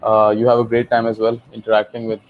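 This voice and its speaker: A man's voice: on the low side, completely flat delivery, fast talker, narrow, tinny audio. A man with a Pakistani accent hosting an informal online session, explaining things with some repetition and rephrasing over an internet call. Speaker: host, HR professional.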